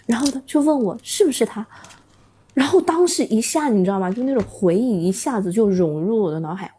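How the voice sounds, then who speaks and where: A woman's voice: fairly high pitch, lively intonation, a little fast, mellow, slightly rough. A woman from Changsha, a guest on a video call, telling a rambling story with many restarts. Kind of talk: casual storytelling chat.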